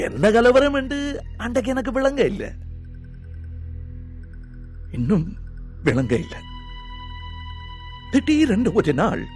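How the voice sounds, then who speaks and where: An actor playing a timid man with a Sri Lankan Tamil accent who is afraid of everything, reeling off his fears to a doctor in rapid rhyming lists. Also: sits high. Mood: sorrowful telling. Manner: rapid rhyming list-like recitation, nervous. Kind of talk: film comedy acting.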